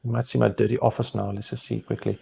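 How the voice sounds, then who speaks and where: Gravelly-voiced man. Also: fairly low pitch, quick pace, slight background noise. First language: Afrikaans. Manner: relaxed, easygoing, lots of short agreeing sounds. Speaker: co-host of a tech stream. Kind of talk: casual tech chat.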